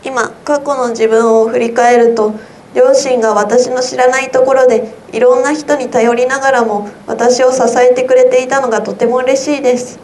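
High school girl reading her own essay on air; earnest, steady delivery in a slightly high register. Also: normal speed, slight background noise. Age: teens. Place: radio studio.

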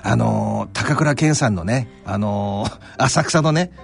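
A man's voice: lowish voice, slow, gravelly, slightly rough, faint music behind. A man from Kanto hosting a radio talk show, telling stories with many fillers in a studio. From Kanto, Japan. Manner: animated storytelling with many fillers. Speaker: radio interviewer.

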